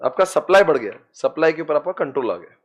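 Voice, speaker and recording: A man's voice: a little high, fast. A man lecturing a class of commerce students, chanting memory tricks and coaxing them to repeat after him. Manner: lively, chants mnemonics and coaxes students to repeat; addresses students as beta and friends, teasing.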